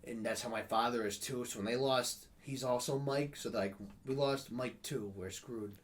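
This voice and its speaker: A young man in his late twenties, his nose stuffed up from the tail end of a cold, talks loosely and openly with an interviewer. He laughs easily and swears without thinking, and his voice sits at an ordinary middle pitch. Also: moderate pace, slight background noise. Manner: relaxed, laughs often, swears casually. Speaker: interview guest. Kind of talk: casual chat.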